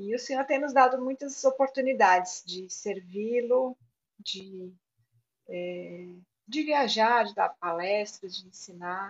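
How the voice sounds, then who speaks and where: A woman speaks with a plain, everyday voice and ordinary pitch variation. Her pace is fairly slow, with big swings in loudness. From Brazil, São Paulo. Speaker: biblical counselor and author. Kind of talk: podcast interview.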